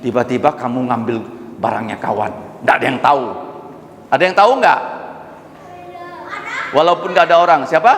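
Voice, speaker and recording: A man teaching children in church, animated and asking them questions again and again. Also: sits high. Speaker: children's Sunday school teacher. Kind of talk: children's sermon. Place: church hall. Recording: echoey church hall with long reverb.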